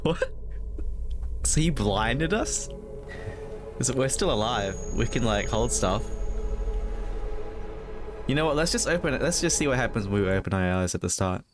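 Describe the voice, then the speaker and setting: An adult male video game streamer, past his teens, gives casual, rambling let's play commentary and reads game text aloud. His mid-range voice is expressive and moves at normal speed. He pauses often and cuts himself off conversationally, with music playing in the background.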